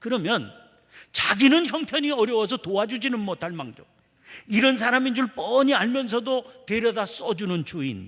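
At a moderate pace, a man speaks with lively intonation and an extremely high pitch. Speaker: senior pastor. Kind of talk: sermon. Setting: church.

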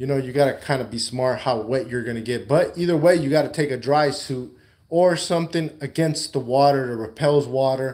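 Moderate speed and ordinary pitch variation from a man. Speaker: kayak owner vlogger. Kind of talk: casual vlog chat. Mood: relaxed, pleased. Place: home room. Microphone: phone near.

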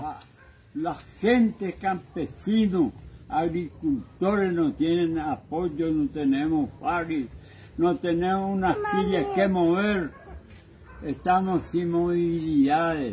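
Speaking at a very slow pace, a man with a high voice is heard over noticeable background noise. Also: ordinary pitch variation. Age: 80s+. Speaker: elderly rural political supporter. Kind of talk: interview answer. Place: garden. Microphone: phone near.

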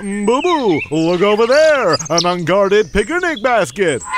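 A man performs a cartoonish character voice, high in pitch, at a fairly slow pace. Background noise is clearly heard. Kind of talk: cartoon character voice demo.

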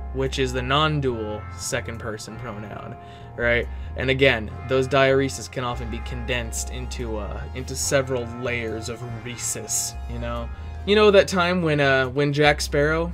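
Clear music plays in the background. The loudness swings widely. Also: man, moderate pace. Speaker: comedy vlogger. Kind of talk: mock lecture, comedic vlog. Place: home room. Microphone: webcam.

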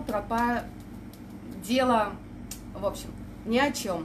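At a fairly slow pace, a woman speaks with fairly high pitch and ordinary pitch variation against noticeable background noise. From Belarus, Pinsk. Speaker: Torah teacher. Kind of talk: online Torah lesson. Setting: live stream broadcast. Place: home room. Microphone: phone near.

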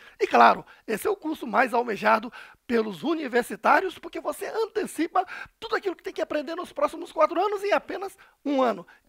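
Enthusiastic-sounding man with a high pitch and fairly quick pace, against a quiet background. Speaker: course instructor and salesman. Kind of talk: infomercial, hard-sell pitch for an online course bundle. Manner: fast, rapid-fire and urgent; enthusiastic, promotional, pushes viewer to act. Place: studio. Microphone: headset.

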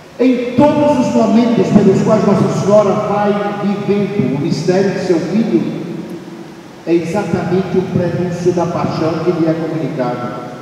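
A man with a high voice speaks at a fairly slow pace, his intonation lively. Strong room echo surrounds him, with light noise in the background. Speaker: bishop. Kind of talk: sermon (homily) at a novena. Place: church.

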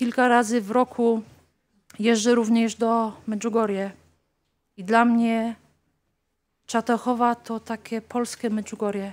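Pitched fairly high, a woman talks very slowly, with long, frequent pauses and big swings in loudness. The recording is very clean, with a silent background. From Poland, Kashubia. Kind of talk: religious testimony read before a congregation.

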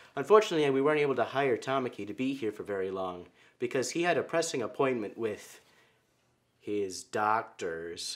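The speaker is a man talking at a moderate pace. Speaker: comedic cooking vlogger. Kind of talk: comedic tutorial skit. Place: kitchen. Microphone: camera far.

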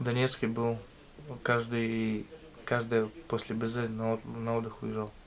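A man at a very slow pace with long, frequent pauses, medium in pitch, with monotone, flat intonation. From Khabarovsk, Russia. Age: young. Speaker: prisoner of war, soldier. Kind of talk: interview answer.

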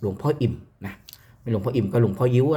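The man's voice is medium in pitch and somewhat breathy. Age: 40s. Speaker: amulet dealer. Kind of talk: sales pitch.

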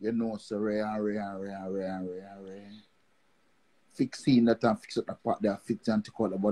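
A man speaks at a moderate pace in a dark, mellow tone, with long, frequent pauses. His fairly low voice stays monotone and flat. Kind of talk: casual chat. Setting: video call. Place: home room. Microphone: video call.

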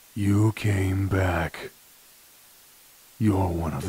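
This man's very deep, low voice is raspy and carries a menacing tone. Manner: menacing, cold.

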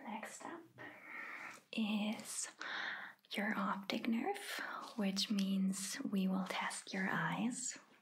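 A soft-spoken woman with a gentle tone, a very slow pace, ordinary pitch variation and long, frequent pauses, over noticeable background noise. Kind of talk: role-play exam talk to viewer. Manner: soft-spoken, gentle ASMR voice. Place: home room.

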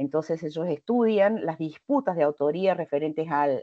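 Over a quiet background, a woman with a fairly low voice speaks at a fairly slow pace with lively intonation. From Argentina. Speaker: researcher and publishing consultant; webinar presenter. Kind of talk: lecture. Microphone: video call.

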